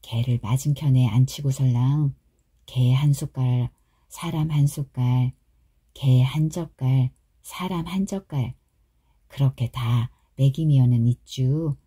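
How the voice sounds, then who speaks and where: A woman voicing a cheerful, chatty young village wife who speaks in a folksy, drawn-out Chungcheong dialect. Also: rumbling low, warm tone, husky, heavily acted. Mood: coaxing chatter. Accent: Chungcheong Korean dialect.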